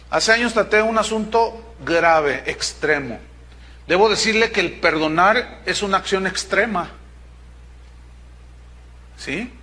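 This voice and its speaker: A pastor in middle age delivers a sermon in a high, forceful voice. He leans on his points with emphasis and keeps asking his listeners whether they follow him. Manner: emphatic, with rhetorical check-ins to the congregation.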